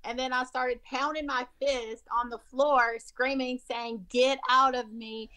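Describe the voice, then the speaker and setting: Hoarse lady on a zoom call, bright sharp voice, a bit high, all fired up and repeating herself. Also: unhurried. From Alabama. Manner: excited, emphatic, repeats herself. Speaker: Zoom caller sharing a testimony. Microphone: laptop webcam video call.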